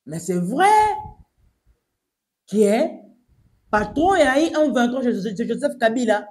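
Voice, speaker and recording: A man's voice: extremely high pitch, expressive, slow pace, a little mellow. A young man with a Congolese accent giving emphatic, urgent news commentary from a small indoor room, mixing French and Lingala. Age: young adult. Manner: emphatic, urgent, gesturing while addressing the camera.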